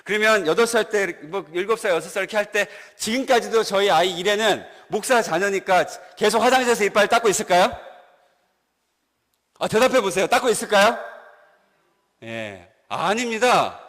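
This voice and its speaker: Male pastor, high voice, long church reverb; animated sermon with questions to the congregation. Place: church sanctuary.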